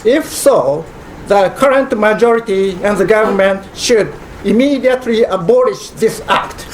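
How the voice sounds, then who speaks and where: A Japanese scholar speaking English at a press conference, measured and dryly ironic, with many "uh" pauses. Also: male voice, high-pitched, slight background noise, rough recording. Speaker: constitutional law professor at press conference. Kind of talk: prepared press statement. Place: press club conference room.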